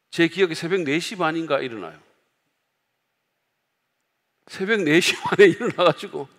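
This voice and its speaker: A man preaching as pastor to his congregation, in a conversational sermon style, loudly acting out the quoted outbursts of others. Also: fairly high pitch, long reverb tail. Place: church sanctuary.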